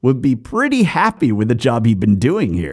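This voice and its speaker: A man at medium pitch swings his voice very widely, with vocal fry. The recording is very clean with a silent background. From North Wales. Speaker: history podcast host. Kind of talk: scripted narration.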